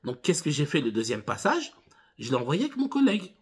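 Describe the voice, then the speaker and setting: A man's voice: a little high, fairly quick, husky. A man in his thirties, a driving instructor, telling funny anecdotes casually to his viewers. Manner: animated anecdotes addressed to viewers as 'les gars'. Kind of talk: casual storytelling to camera.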